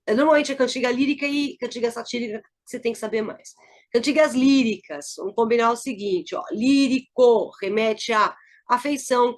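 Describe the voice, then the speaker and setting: A middle-aged woman teacher with a Brazilian Portuguese accent, explaining a lesson and checking in often with her listeners. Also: on the high side. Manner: explanatory, checks in with frequent tags. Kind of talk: recorded lesson review.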